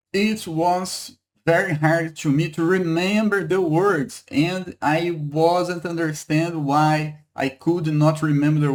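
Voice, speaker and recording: A man from Brazil with a Brazilian Portuguese accent, teaching a Hebrew lesson in English, halting and repeating words, checking in with "okay?" and "right?". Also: on the high side. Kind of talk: online language lesson.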